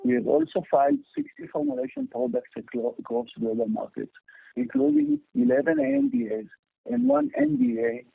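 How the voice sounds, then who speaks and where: High-pitched gravelly Indian man on phone. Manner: formal, stumbles over words while reading. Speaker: company executive. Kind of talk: scripted earnings call presentation. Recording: thin, phone-like conference line.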